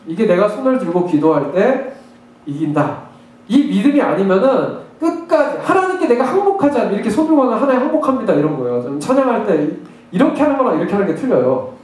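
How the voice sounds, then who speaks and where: A man preaching a sermon as pastor, animated and acting out prayers in an excited voice, recorded in a church. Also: high-pitched, fast. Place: church sanctuary. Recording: echoey church hall, mic at distance.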